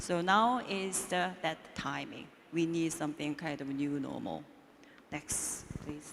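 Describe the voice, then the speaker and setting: In a Korean accent, a woman speaks very slowly in a very deep, low voice with ordinary pitch variation. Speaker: conference speaker. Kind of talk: presentation. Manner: halting.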